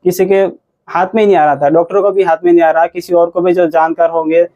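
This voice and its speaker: A young man in his twenties talks through his story as a patient in a casual interview. His voice sits a little high and stays flat in pitch, and his sentences wander and restart. The recording sounds dull and lo-fi. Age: 20s. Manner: rambling, halting, with frequent restarts. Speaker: patient giving a testimonial.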